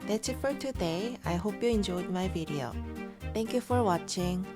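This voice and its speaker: A woman whose first language is Korean explains phrases calmly and methodically, one word at a time, as a language teacher. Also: medium pitch, normal speed, loud music behind the voice.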